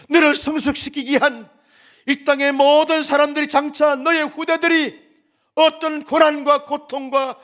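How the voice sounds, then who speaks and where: A man's voice: very high voice, fairly bright tone, heavily acted. A man voicing God as a loving father consoling a sufferer, tender and soothing.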